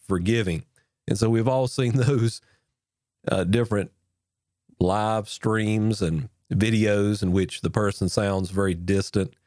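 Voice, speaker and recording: A man's voice: lowish voice, a little mellow, no room sound. A man hosting a podcast as a pastor, talking close into a broadcast mic with a stuffed-up, nasal voice from illness, earnest and encouraging. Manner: earnest, encouraging, chatty with fillers. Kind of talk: instructional podcast talk. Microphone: dynamic broadcast mic, close.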